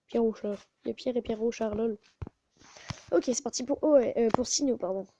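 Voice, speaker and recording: A woman's voice: fairly high pitch, a little fast, lo-fi sound, noisy background. A woman hosting a casual gaming video, muttering to herself and often stopping to correct herself, recorded on a phone. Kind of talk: casual gameplay commentary.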